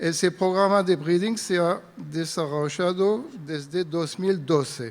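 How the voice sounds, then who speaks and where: In a French accent, a man talks at a very slow pace with a high pitch and ordinary pitch variation, on a very clean recording with a silent background. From France. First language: French (speaking Spanish). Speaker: wheat breeder and conference speaker. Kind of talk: conference presentation. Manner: hesitant, with fillers.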